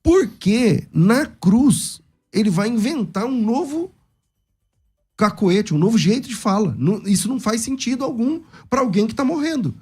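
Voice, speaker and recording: A man's voice: high voice, darkish tone, slightly rough. A man arguing his side in a theological debate, emphatic and argumentative. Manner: emphatic, argumentative, acts out quoted speech.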